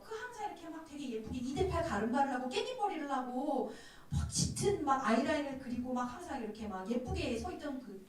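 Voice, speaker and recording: Lady youth pastor preaching, high voice, very echoey, sounds far from the mic. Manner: animated storytelling, acts out quoted dialogue. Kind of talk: sermon to teenagers. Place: church. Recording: very echoey room, distant mic.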